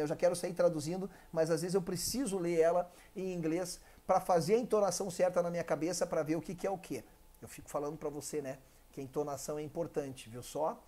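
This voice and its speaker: With a slightly high, somewhat mellow voice, this Brazilian instructor runs an online English exam-prep class. He lays things out step by step, often asks the viewer rhetorical questions, speaks with a Brazilian Portuguese accent, and sounds dry-throated.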